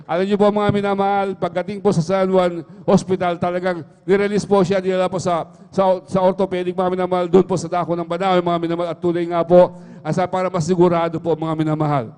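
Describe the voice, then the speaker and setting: A man's voice: sits high, flat delivery, quick pace, darkish tone, clear, resonant tone. A middle-aged man giving an earnest spoken testimony at a church worship service, repeating his address to the congregation over and over. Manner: earnest, repeats "mga minamahal" constantly. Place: church hall. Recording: livestream with long hall reverb.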